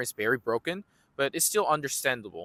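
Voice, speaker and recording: A man with a Korean accent at a very fast pace, bright and sharp in tone, with a dry, close sound with no echo and a very clean, silent background. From South Korea. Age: 20s. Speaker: university student. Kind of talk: interview.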